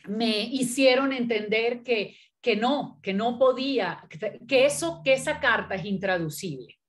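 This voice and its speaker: A middle-aged woman poet and critic, from Venezuela with Italian as her first language, speaking thoughtfully with many pauses, fillers and restarts at an academic panel. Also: mid-range voice.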